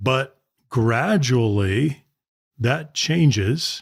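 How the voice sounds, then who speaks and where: In a very clean recording with a silent background, a man with a medium pitch speaks somewhat breathily, his intonation lively. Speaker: podcast host. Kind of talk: podcast interview questions.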